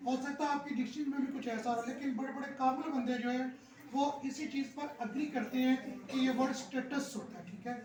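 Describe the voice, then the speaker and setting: A woman lecturing a workshop on pronunciation, repeating words slowly and often checking that her listeners follow. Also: high voice, fairly even intonation, crowd noise. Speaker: pronunciation trainer. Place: classroom or workshop hall. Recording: echoey room from far off, audience noise. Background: audience of teachers.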